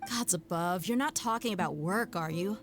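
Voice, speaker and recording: Woman playing a low-pitched, confident adventurer woman. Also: normal speed, over music, close to an everyday voice. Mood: exasperated. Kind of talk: video game voice acting.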